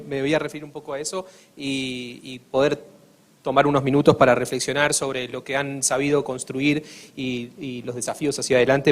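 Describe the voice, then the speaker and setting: A man from Argentina with an Argentine accent, speaking earnestly on a panel, with many hesitations and restarts. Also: medium pitch. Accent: Argentine Spanish. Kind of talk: formal panel talk.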